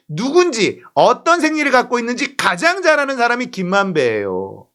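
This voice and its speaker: Heated man with lively pitch. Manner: heated, scornful, rhetorical questions. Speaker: political commentary host. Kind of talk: political commentary monologue.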